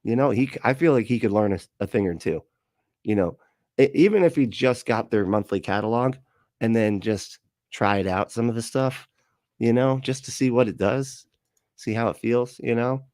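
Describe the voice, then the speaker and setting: A man's voice: medium pitch, normal speed, darkish tone, no echo, clean studio sound. A man giving casual, sarcastic commentary on a clip, laughing often. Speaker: host.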